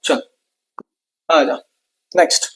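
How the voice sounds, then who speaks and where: Man doing a quick-fire revision lesson. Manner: asks students questions and answers them himself; casual, brotherly tone with memory tricks and jokes. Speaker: teacher. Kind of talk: rapid exam revision lesson.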